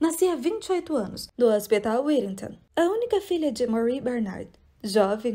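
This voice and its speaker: A woman with a fairly high pitch uses a dramatic, warm tone along with a dark, mellow tone, lively intonation and a moderate pace. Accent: Brazilian. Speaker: audiobook narrator. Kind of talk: audiobook reading aloud, scripted narration. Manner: warm, chatty, affectionate intro and outro; dramatic first-person narration, tense, biting and sardonic.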